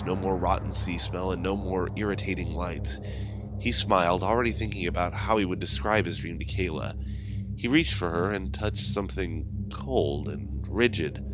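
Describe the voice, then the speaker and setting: Male narrator, low pitch, scripted horror story, measured dramatic delivery, clear music bed. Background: music behind the voice.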